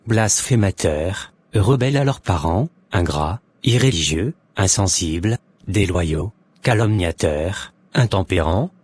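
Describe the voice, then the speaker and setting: A man's voice: deep voice, a little mellow, slightly rough, full character voice. A man voicing an earnest, devout Christian convert in a cartoon, speaking in a solemn, exhorting, formal way. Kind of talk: scripted Christian animation dialogue and preaching.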